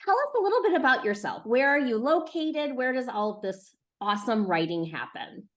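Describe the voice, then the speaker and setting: A woman's voice: a little high, lively intonation, brisk. A woman hosting a live online book event as a publisher, giving instructions to children and teachers. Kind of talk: addressing classrooms on a live call. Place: live video call.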